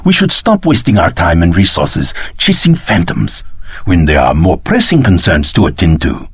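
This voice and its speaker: Very husky, solemn elder. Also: male voice, sits low, huge pitch swings, moderate pace, no room sound, full character voice. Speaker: voice actor in a video game. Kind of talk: scripted video game voice acting.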